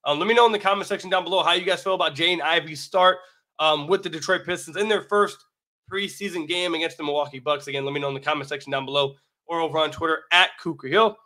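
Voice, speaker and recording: An American man hosts a sports podcast, delivering solo basketball commentary along with a sponsor read. His voice sits on the high side, with a steady, sharp tone and a quick pace, and it sounds slightly raggedy because he's been sick. He talks emphatically and keeps repeating phrases.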